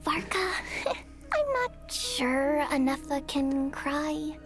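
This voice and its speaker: A woman's voice: high voice, sing-song, extremely slow, over loud music, full character voice. A woman voicing a teasing, easily flustered young girl in a video game.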